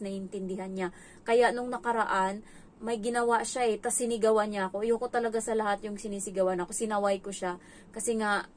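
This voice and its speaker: A woman's voice: mid-range voice, slight background noise. A young woman from the Philippines working as a domestic helper abroad, telling her story to viewers in a candid, chatty way. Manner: candid, talks straight to viewers with frequent asides.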